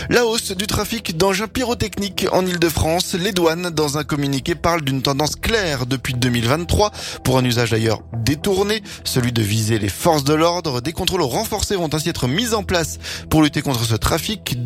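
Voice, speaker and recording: A man reads the morning local news and weather for a regional radio station, keeping a steady, clear newsreader delivery. His voice sits a little high for a man. A soft music bed runs faintly underneath. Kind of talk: scripted news bulletin and weather.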